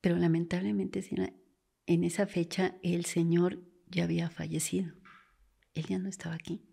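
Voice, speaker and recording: A woman's voice: lowish voice, flat delivery, normal speed, creaky, mellow, breathy edge. A woman, a forensic doctor telling stories in conversation, acting out quoted voices and sometimes dropping to a whisper. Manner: acts out quoted voices, drops to a whisper at times. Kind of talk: storytelling in conversation.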